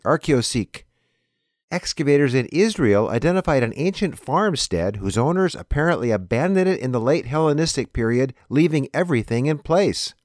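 A man hosting a weekly news program, reading an introduction and listing headlines in a measured way. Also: medium pitch, dry recording, studio quality. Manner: plain, measured announcer reading.

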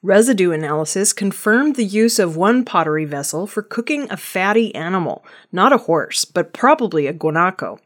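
A woman reading archaeology news headlines and stories in a measured, scripted newsreading style. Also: lowish voice, animated. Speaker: news reader.

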